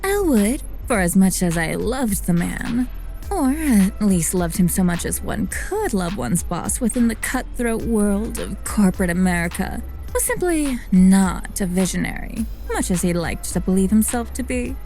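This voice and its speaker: A woman's voice: mid-range voice, lively intonation, measured pace, dark tone, faint music behind. A woman playing a ruthless, witty lead scientist in an audio drama, dry, imperious and formally spoken. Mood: dryly sardonic. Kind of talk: first-person audio drama narration and dialogue.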